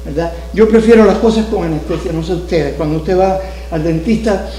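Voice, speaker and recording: A man's voice: high-pitched, fairly quick, mellow, echoey room, slight background noise, low-quality recording. A man from Cuba, teaching a Bible study to a congregation, repeating key phrases and asking them questions. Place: church sanctuary.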